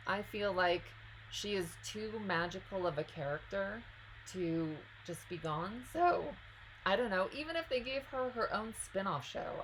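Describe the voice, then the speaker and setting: A woman's voice: fairly low pitch, a bit bright, slight background noise, low-quality recording. A woman hosting a live stream, reading out viewer questions and answering them in a chatty, casual way.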